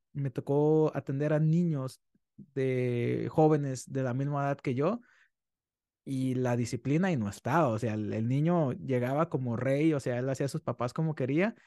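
A man's voice: medium pitch, darkish tone, dry recording, clean studio sound. A man in his thirties with a Mexican accent, hosting an interview and asking long, rambling questions. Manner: rambling questions, acts out kids. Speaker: podcast host. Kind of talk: casual interview.

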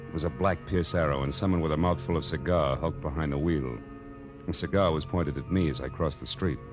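An actor playing a wry, slangy, hard-boiled private detective in a 1940s radio drama. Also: male voice, a bass voice, highs cut off. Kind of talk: 1940s radio detective acting and first-person narration. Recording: old radio drama with music.

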